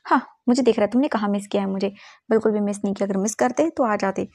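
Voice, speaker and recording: A woman's voice: mid-range voice, quick pace, darkish tone, no echo, lightly acted. A woman voicing a mother who teases her son affectionately and scolds him sternly. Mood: teasing. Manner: teasing, scolding.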